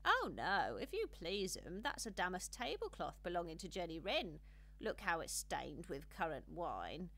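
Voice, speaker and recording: A woman's voice: fairly low pitch, big pitch swings, unhurried, sharp tone, exaggerated voice. Woman playing a fussy little hedgehog washerwoman. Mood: fussy, chatty. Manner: deferential, bobbing, busy country-servant talk. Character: small stout female hedgehog washerwoman, humble, fussy, industrious.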